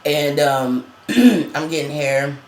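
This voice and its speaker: A man's voice: fairly high pitch, animated, takes it slowly, reverberant, a little hiss or hum. A trans man vlogging in casual chat. He uses a lot of fillers and laughs often, and his voice is going up and down and sometimes cracks.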